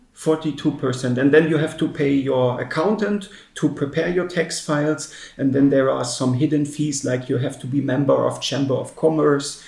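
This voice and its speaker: Speaking with a German accent, a man uses a somewhat breathy, fairly high pitch, fairly even intonation and a moderate pace. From Germany, Hannover. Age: 30s. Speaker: IT consultant. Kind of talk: interview.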